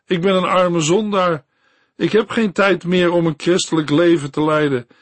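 A man's voice: high voice, steady tone, normal speed, no echo, voice pushed up. A man voicing a poor dying woman who desperately asks how to get into heaven. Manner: desperate, crying out.

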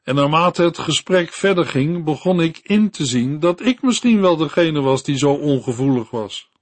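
A man reading a devotional story and sermon for a radio Bible program, in a slow, earnest storytelling manner. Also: on the high side, lively intonation, dry recording.

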